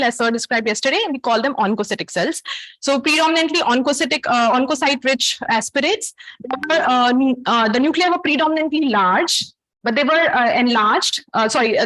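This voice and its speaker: A woman with a South Asian accent speaks in a high voice as she teaches. She lectures through cases in a didactic, academic way and turns to her listeners with questions. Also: a bit bright, rough recording. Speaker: medical lecturer. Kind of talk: interactive academic case-based lecture.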